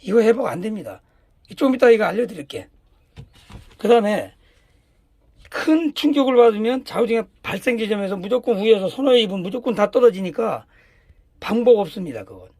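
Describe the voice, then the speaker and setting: A man's voice: high voice, expressive, brisk, pauses often, a little mellow, no room sound. A man giving a casual hands-on demonstration of plant care, emphatic and repeating key words, slipping into plain informal speech. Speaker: plant grower explaining care.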